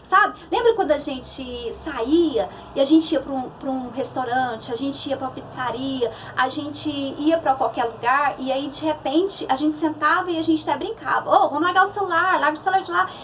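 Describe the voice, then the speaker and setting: A woman's voice: sits high, moderate pace, few pauses, fairly bright tone, distant mic, slight background noise, poor audio. A middle-aged woman psychologist with a Brazilian Portuguese accent, giving a conversational church talk on emotions with many restarts and fillers.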